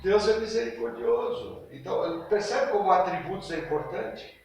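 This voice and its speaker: A man's voice: high-pitched, lively intonation, normal speed, gravelly. A man teaching a Bible class in a conversational way, asking the class questions and acting out little scenes. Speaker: Bible school teacher and preacher. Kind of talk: Sunday school teaching with class discussion. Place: church hall. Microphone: distant room mic. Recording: very echoey hall, voice from far off.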